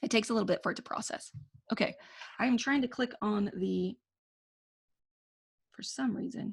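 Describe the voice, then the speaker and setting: Talking at a fairly quick pace, a woman leaves long, frequent pauses. Her fairly high pitch carries ordinary variation and some vocal fry. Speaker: QuickBooks trainer. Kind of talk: live tutorial webinar. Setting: live video stream. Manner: fast; casual, filler-heavy.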